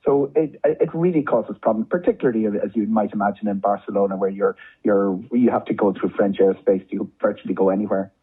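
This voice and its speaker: A man's voice: fairly low pitch, a little fast, few pauses, breathy edge, phone-quality sound. A man with an Irish accent, a travel journalist giving conversational, discursive commentary as a guest, often repeating words for emphasis.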